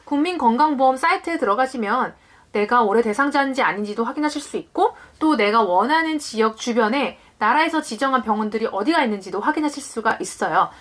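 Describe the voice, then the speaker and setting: A young woman in her late twenties explains things to her viewers in a friendly vlog. Her voice sits high and moves a lot, rising and falling as she walks through each point. She often asks a question and then answers it herself. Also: expressive, fast talker, a bit bright. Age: late 20s. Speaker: parenting vlogger.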